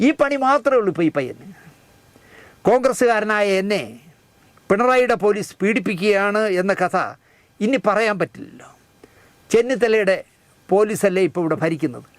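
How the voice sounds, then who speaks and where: A man's voice: high-pitched, expressive, moderate pace, pauses often, no room sound. A man delivering mocking, scornful commentary on current events, speaking straight to the audience. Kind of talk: satirical commentary.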